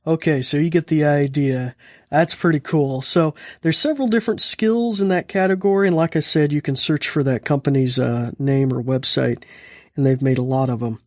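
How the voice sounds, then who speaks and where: An American man hosts a casual how-to podcast in a fairly high voice. The sound is dry and close as he explains and issues spoken commands. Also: fairly even intonation, moderate pace, darkish tone, no room sound. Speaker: podcast host and instructor.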